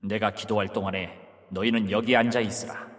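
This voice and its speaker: A man playing a solemn, low-voiced teacher. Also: fairly even intonation, long reverb tail, lightly acted. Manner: measured, solemn scriptural delivery. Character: calm, solemn grown man, a teacher speaking with authority. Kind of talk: audio Bible drama acting.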